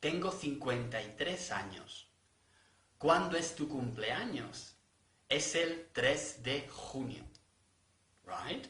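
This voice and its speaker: At a very slow pace with long, frequent pauses, a fairly high-pitched man speaks with lively intonation amid audible room echo. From southern Spain, Cadiz, Andalusia. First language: Spanish. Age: 50s. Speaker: language teacher. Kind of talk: tutorial.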